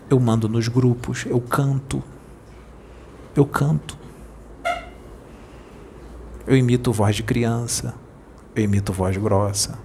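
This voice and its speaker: A man with a Brazilian Portuguese accent, a spirit medium preaching informally in a playful, jokey way that rushes over his words. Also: mid-range voice, gravelly, a little mellow, slight background noise.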